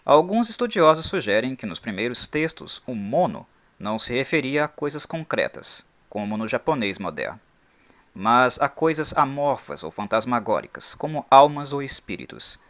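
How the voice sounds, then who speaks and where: A man hosting a channel, reading a scripted explainer in an expressive, emphatic way. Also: mid-range voice, normal speed. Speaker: channel host.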